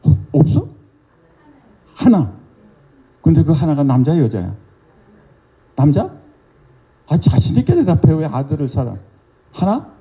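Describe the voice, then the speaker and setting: An older man preaching at a church revival, playfully calling on congregants and quizzing them. His voice sits a little high and is gravelly, jumping widely in pitch. The recording is muffled and lo-fi. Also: very animated, unhurried, pauses often. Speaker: pastor. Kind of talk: interactive revival sermon, questioning the congregation. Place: church sanctuary.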